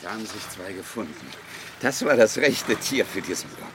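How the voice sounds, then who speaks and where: An actor playing a haughty, indignant hunter in a German radio crime drama, condescending and threatening. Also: male voice, on the low side, lively intonation, moderate pace, a bit bright, slight background noise. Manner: condescending, menacing.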